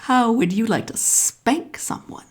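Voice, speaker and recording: A woman's voice: on the high side, measured pace, natural voice. Lady doing a know-it-all snake from a kids storybook, smug, takes its time giving advice. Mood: persuasive. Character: bicolored python rock snake, knowing, smug adviser. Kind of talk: children's storybook reading.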